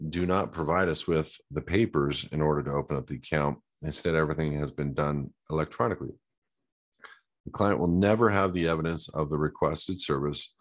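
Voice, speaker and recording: A man hosting a show, reading out a viewer's question and then answering it in loose, casual talk with many fillers. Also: rumbling low.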